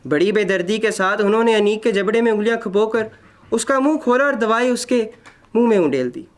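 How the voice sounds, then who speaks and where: A man narrating a literary short story in an expressive, measured, dramatic reading style. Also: high voice.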